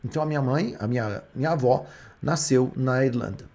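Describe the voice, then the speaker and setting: A man's voice: mid-range voice, fairly quick, dark tone. A Brazilian man, a native Portuguese speaker, explaining English grammar step by step as a teacher. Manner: explains step by step, with frequent restarts.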